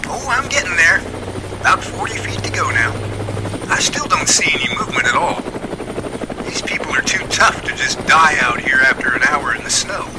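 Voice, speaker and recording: A man's voice: a little high, big pitch swings, normal speed. A man playing an emotional helicopter rescue crewman on a rope in an amateur audio drama, talkative and earnest. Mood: wry, tense. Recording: loud helicopter and engine noise.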